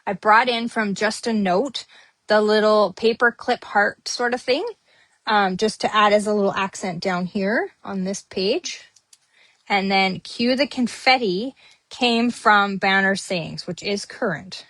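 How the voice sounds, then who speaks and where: Speaking a little slowly in a mid-range, fairly bright voice, a woman hosts a casual crafting tutorial on papercrafting. She rambles in a friendly, chatty way with many ums as she works. The close mic is dry, with no echo.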